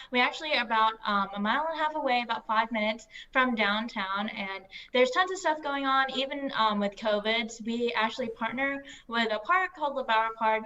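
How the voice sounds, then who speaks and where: A woman's voice: on the high side, sharp tone, lo-fi sound. A young woman from North Carolina, a student panelist answering questions on a video call, upbeat with many fillers. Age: young adult. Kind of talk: casual Q&A answers.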